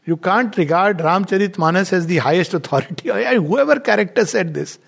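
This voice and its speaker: A man with an Indian accent speaks as a spiritual teacher in an informal discourse. His voice sits quite high for a man and has a marked gravelly creak. He is emphatic and digressive, often repeating a phrase to drive it home. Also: moderate pace. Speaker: spiritual teacher giving a talk. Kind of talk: informal discourse with read-out quotations and commentary.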